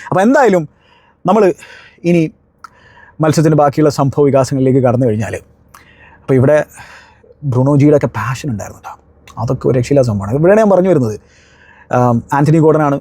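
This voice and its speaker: A man talks through a football match review at a very fast clip, chatty and emphatic. His tone is dark and mellow. The sound is dry and close, with no room around it. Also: medium pitch, no echo. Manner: conversational, emphatic exclamations. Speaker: football analyst.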